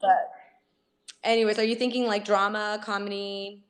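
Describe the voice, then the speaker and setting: A woman's voice: medium pitch, level tone, normal speed. A woman who performs comedy, chatting in a laid-back, slangy way and laughing often. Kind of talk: casual video chat.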